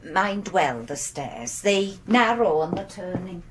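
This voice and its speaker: A woman's voice: on the low side, expressive, slow pace. A Welsh housekeeper in a radio play, deferential but evasive. Her delivery is hesitant, with widely moving intonation. The recording is roomy and quite noisy. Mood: subdued. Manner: hesitant, reluctant. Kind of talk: radio drama acting.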